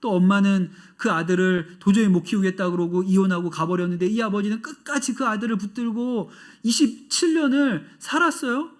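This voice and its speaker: A pastor giving a sermon in a church service, conversational and expressive. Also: male voice, high voice, brisk, hardly any pauses.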